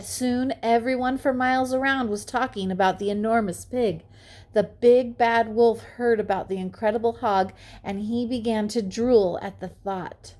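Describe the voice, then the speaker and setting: A woman reading a children's picture book aloud expressively, with deliberate, dramatic pauses. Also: on the high side, a little mellow. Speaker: storyteller.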